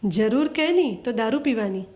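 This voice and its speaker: A woman's voice: a little high, expressive, normal speed, darkish tone, lightly acted. A woman reading aloud voices a poor young married working woman who speaks in a pleading, plain-spoken way. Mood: distraught.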